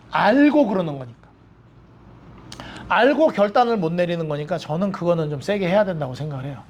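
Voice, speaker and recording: Blunt, lively-voiced pastor. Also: male voice, sits high. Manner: blunt, mixes jokes with stern talk. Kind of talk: sermon. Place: church sanctuary.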